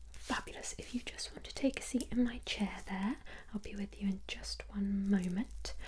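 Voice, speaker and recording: A soft-spoken woman at a moderate pace, with big swings in loudness. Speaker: hairstylist in roleplay. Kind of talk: ASMR hairdresser roleplay, soft-spoken. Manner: soft-spoken, natural pace.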